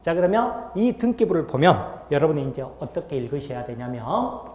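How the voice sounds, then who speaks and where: A man's voice: on the high side, very animated, moderate pace, darkish tone. A man teaching a law class, explaining step by step and often checking in with the students. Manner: asks the class frequent check-in questions. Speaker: law lecturer. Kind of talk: classroom lecture. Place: lecture hall. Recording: roomy echoey lecture hall.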